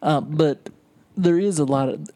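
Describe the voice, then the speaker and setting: A man's voice: fairly high pitch, a little slow, mellow. A man in his forties hosting a podcast, chatting casually in a rambling, joking way. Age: 40s. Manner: rambling, jokey, self-deprecating. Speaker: podcast host. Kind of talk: casual chat.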